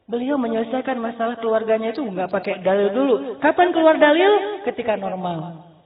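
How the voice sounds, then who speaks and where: A man's voice: very high-pitched, lively intonation, brisk. A man giving a casual, joking sermon and acting out bits of dialogue. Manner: chatty and joking, acts out dialogue. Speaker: preacher. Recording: tinny phone-like, roomy echo.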